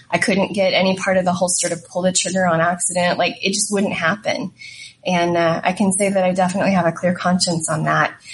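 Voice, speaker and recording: Over noticeable background noise, a woman with an American accent speaks very fast in a flat monotone at very even loudness. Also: medium pitch for a woman. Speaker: holster company owner. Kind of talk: casual interview.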